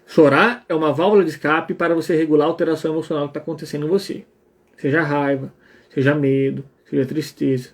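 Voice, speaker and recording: A man's voice: a little high, steady tone, fast. A man with a Brazilian Portuguese accent, a psychologist giving a live talk to parents, speaking emphatically and often checking in with his listeners. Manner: emphatic, repeats checks like "tá?" and blunt "ponto". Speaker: psychologist and couples therapist.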